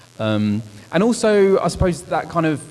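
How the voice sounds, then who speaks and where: With a Birmingham accent, a man speaks with very wide pitch swings. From Birmingham, English Midlands. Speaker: voice actor. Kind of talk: convention panel talk.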